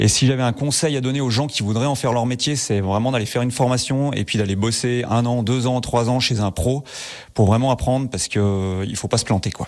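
A man talks fairly quickly in an unremarkable speaking voice, his pitch medium and his intonation fairly even. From Savoie, French Alps. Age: 40s. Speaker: beekeeper. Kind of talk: radio interview.

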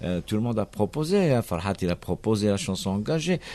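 Lively intonation marks this man's fairly low-pitched voice. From Kabylie, Algeria. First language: Kabyle (speaking French). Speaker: singer. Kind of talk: radio interview. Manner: halting.

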